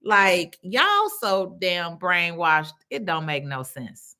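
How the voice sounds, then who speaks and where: A woman's voice: on the low side, slow pace. A woman from Chicago with a Chicago accent, hosting a casual livestream on her phone and chatting bluntly with viewers in slangy talk. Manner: blunt, slangy and animated, calls viewers baby. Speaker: livestream host. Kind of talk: casual live chat answering comments.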